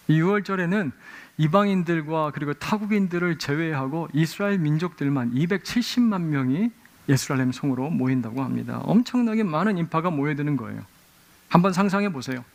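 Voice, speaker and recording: A middle-aged man preaching a Sunday sermon in a church, telling stories with lively acted-out exclamations. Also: a little high. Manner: animated storytelling with acted-out exclamations. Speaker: pastor. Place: church sanctuary.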